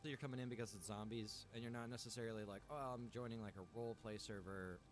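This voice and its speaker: A man's voice: fairly low pitch, steady tone, quick pace, faint music behind. A man giving an informal guide, explaining things in a conversational way. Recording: noisy recording played back.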